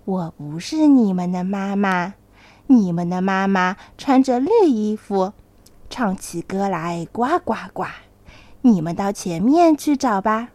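A woman voicing a friendly big white goose in a children's story, slightly lower than her narration. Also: expressive, takes it slowly, darkish tone, no echo.

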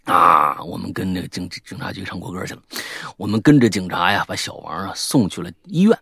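Lively, husky-voiced man telling a story. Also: fairly quick, no room sound, studio quality. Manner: lively, mimics characters with sudden high-pitched outbursts. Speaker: podcast host reading a listener's story. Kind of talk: animated storytelling read-aloud.

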